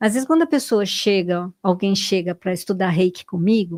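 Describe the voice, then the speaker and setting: A woman's medium-pitched voice at a fairly slow pace, dry and close with no echo. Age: 60s. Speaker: family constellation therapist and reiki teacher. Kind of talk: interview conversation.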